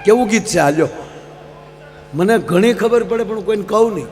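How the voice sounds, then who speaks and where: Guy doing folk comedy on stage, pretty high voice, long hall echo with a faint hum. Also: moderate pace, darkish tone. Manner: folksy, keeps addressing the audience as sir. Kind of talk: live stage humorous storytelling. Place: large live stage program. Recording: reverberant live hall, faint mains hum.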